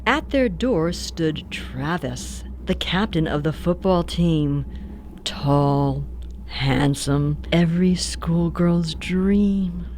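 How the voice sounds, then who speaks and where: A woman's voice: fairly low pitch, animated, a little mellow, a little hiss or hum. A woman playing an old grandmotherly hostess who tells spooky stories in a radio play, theatrical, doting and sinister. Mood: ominous narrating. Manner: theatrical, drawn-out, cooing.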